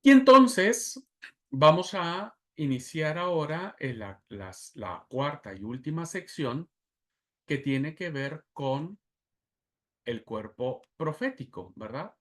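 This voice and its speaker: A man's voice: on the high side, lively intonation, takes it slowly. A man teaching a Bible class, explaining patiently, repeating key words and checking in with his students. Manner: explanatory, repeats key terms and asks "¿verdad?". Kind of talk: lecturing a class.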